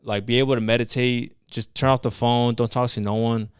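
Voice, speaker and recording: A man's voice: medium pitch, little pitch movement, brisk, clear, resonant tone, no echo, studio quality. A young man with a Latino American English accent, a nurse turned entrepreneur, talking in a casual podcast chat in an earnest, motivational way. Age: young adult. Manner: earnest, motivational, with slang and restarts.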